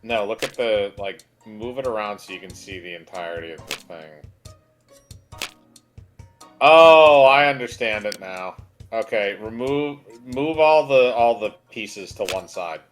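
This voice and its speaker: A man's voice: on the low side, lively intonation, normal speed. A man chatting casually as co-commentator on a let's play. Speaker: co-commentator on game stream. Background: game music.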